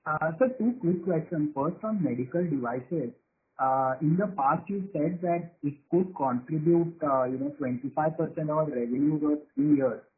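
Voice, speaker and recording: Higher-pitched man on noisy phone line. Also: normal speed. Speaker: analyst asking questions. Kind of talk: earnings call questioning. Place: phone call into conference. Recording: tinny phone line, faint noise.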